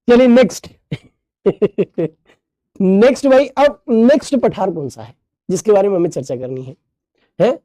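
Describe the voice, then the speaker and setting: A man's voice: high voice, sing-song, takes it slowly, pauses often, dark tone, dry recording. A male teacher giving a recorded class, playful, repeating key terms and asking the class questions. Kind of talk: recorded online class lecture.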